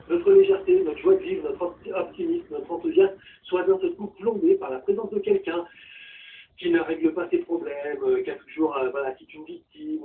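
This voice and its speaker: A man working as a coach, presenting a course in an animated, colloquial and emphatic way. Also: high voice, gravelly. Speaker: personal development coach. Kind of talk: promotional talk to camera introducing a course. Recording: distant mic, thin phone-like sound.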